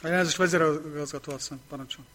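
A man's voice: on the high side, fairly even intonation, pushed and bright. Man chairing a council meeting. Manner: brisk procedural, repetitive vote announcements.

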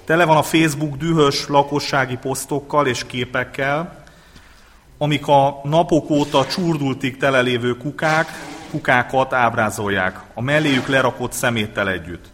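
Council member in a reverberant hall. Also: male voice, medium pitch, fairly bright tone, slight background noise. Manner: formal, critical. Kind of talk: formal council speech.

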